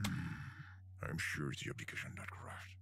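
A man's voice: rumbling low, animated, a little slow, gravelly, pushed and bright, soft background music, exaggerated voice. An actor playing a grumpy, easily puzzled man alone at home in a video game.

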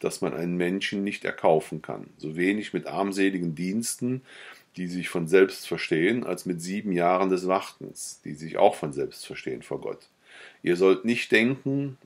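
A man's voice: low-pitched, normal speed, slightly rough. A man voicing Fenice, a proud and stern young woman, in firm, dismissive lines of a read-aloud novella.

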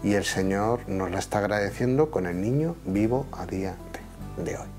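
Deep-voiced Spanish man, halting speech. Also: animated, a little mellow, soft background music. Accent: Spain. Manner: halting, searching for words. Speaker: interviewee, father. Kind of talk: personal testimony.

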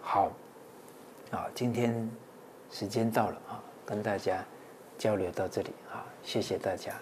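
A man's voice: lowish voice, steady tone, a little mellow, slight background noise. Earnest man giving a dharma talk. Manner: frequent drawn-out "ah" and "oh" fillers, earnest exhorting. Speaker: Buddhist monk lecturer.

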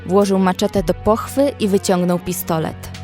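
A young woman survivor played by an actress tells a horror audio story in the first person. Her pitch is average for a woman and her delivery is measured and observant, with an anxious undertone. Music plays underneath. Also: mellow, close to an everyday voice. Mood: measured, uneasy. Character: young female survivor narrating a zombie apocalypse, anxious, observant. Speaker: narrator and actress in audio drama.

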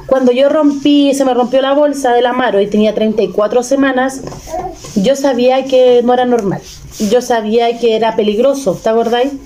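A woman's voice: fairly high pitch, steady tone, a little fast, dark tone. A Chilean woman in her thirties, casually retelling a personal story with emotion and many restarts. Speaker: vlogger.

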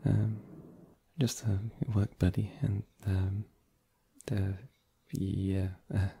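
A man putting on a shy, giggly work buddy, voice pushed up in pitch yet still husky and gravelly, stumbling through fillers. Roleplay audio. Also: completely flat delivery, very slow, mellow, no room sound, full character voice. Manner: giggly, hesitant. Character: nervous friendly male work buddy Josh.

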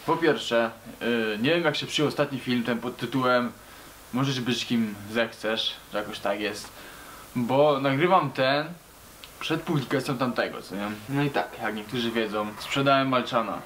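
A man's voice: medium pitch, normal speed, fairly bright tone, a little hiss or hum. A young man talking casually to camera in a small garage, rambling and slangy, often calling his viewers buddies. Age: young adult. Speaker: vlogger. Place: small garage with brick walls.

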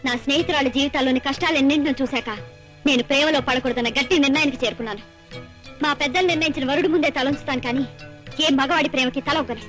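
A woman playing a proud young woman turns down a suitor with a firm, lecturing voice that runs high and quick. Clear film music plays under her lines. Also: close to an everyday voice. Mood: indignant. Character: proud young woman who rejects love.

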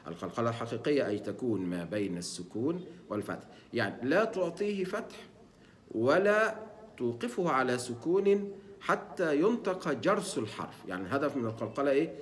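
In a tajweed lesson with demonstrations, a man teaches Quran recitation, splitting words into single letters and sounding them out slowly. His pitch swings widely as he explains, and he asks questions only to answer them himself.

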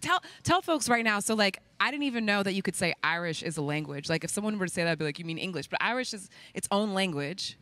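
A woman interviewing a band backstage at a music venue, speaking into a handheld mic, chatty and quick to laugh. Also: mid-range voice, expressive, sharp tone, no echo. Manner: laughs often, chatty and hesitant. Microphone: handheld microphone.

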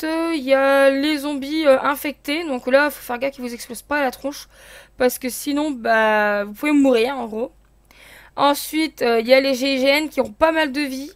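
High-voiced chatty gamer woman. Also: no echo. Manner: chatty, explains rules to viewers with many fillers. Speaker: gaming channel host. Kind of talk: casual gameplay commentary.

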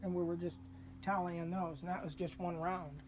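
A man's voice: high-pitched, flat delivery, moderate pace, a little mellow, slight background noise. A man explaining his sawmill outdoors in a plain, hesitant way with many fillers. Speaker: sawmill owner. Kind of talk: casual explanation.

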